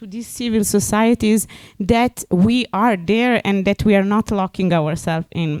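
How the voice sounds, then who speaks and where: A woman with an Italian accent at medium pitch, ordinary pitch variation and moderate pace, in dry, close sound with no echo. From Italy. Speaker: European party official. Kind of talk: panel discussion. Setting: hybrid event, office and online. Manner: halting.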